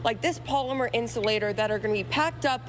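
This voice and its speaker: A woman's voice: fairly high pitch, fast. A woman working as a field reporter, presenting and asking interview questions on location. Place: large warehouse. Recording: faint hum behind.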